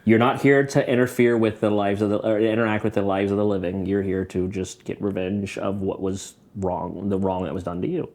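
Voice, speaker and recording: A man's voice: on the low side, little pitch movement, brisk, few pauses, darkish tone. A man hosting a casual film podcast, retelling movie scenes step by step. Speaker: podcast host.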